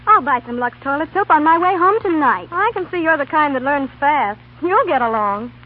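An actress playing a slangy, gushing young waitress in a dramatized 1930s radio advertisement. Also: female voice, sits high, lively intonation, normal speed. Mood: gushing, chummy. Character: chatty, starstruck and knowing young waitresses. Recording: noisy, tinny 1930s radio broadcast.

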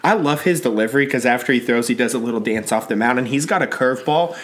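A man in his thirties chatting casually as co-host, animated and talkative, jumping from TV to baseball. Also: mid-range voice. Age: 30s. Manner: animated, talkative, quick bursts of excitement. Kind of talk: casual chat and sports talk.

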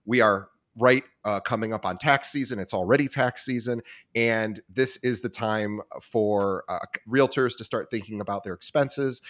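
A man's voice: fairly low pitch, normal speed. A man hosting an interview podcast, introducing his guest with energy and plenty of repeated words. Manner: energetic, repeats himself, self-deprecating. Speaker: podcast host.

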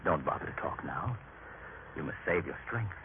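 An actor in a radio drama playing a kindly, gentle rescuer with a hushed, soothing manner. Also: male voice, rumbling low, expressive, moderate pace. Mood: gentle concern. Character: kindly, gentle Samaritan rescuer tending a wounded man. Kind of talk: old-time radio drama acting. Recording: tinny radio recording, clear hiss.

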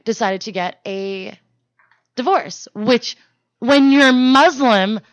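A woman co-hosting a comedic podcast, telling stories fast and animatedly, with plenty of profanity. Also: fairly high pitch, no room sound, muffled recording. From Denmark. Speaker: podcast co-host. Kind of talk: casual comedic chat.

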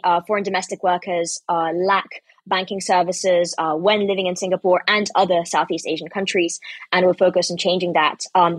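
A woman's voice: fairly low pitch, slightly rough, no room sound. A woman from Ukraine, a startup founder, answering interview questions fluently, with frequent ums and uhs. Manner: fluent, brisk, with fillers like um and uh.

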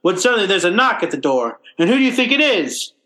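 Radio comedy role: male actor as blustery working-class everyman, high-pitched and forceful, colloquial, excitable, good-hearted. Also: quick pace, exaggerated voice. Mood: mocking storyteller. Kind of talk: old-time radio comedy acting.

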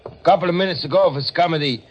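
An actor playing an anxious immigrant shopkeeper with an Italian accent and broken English in a vintage radio crime drama. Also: male voice, a little high, very fast, lightly acted. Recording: dull old radio broadcast.

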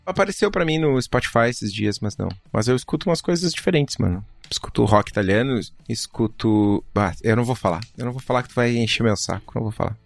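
A man's voice: mid-range voice, quick pace, gravelly, few pauses, no room sound. A man with a gaúcho Portuguese accent, co-hosting a podcast in laid-back, casual banter. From southern Brazil. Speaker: podcast co-host.

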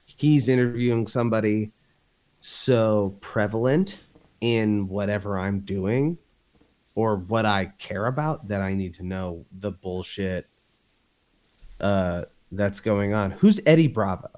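A man's voice: fairly low pitch, slow, darkish tone, rough recording. A young man co-hosting a podcast in casual chat, swearing freely and laughing often. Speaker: podcast co-host.

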